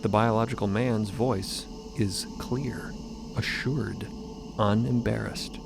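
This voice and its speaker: A man's voice: on the low side, fairly even intonation, slow, vocal fry, music in the background. A man giving dramatic scripted narration for an audio drama. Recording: loud ambient sound bed behind voice.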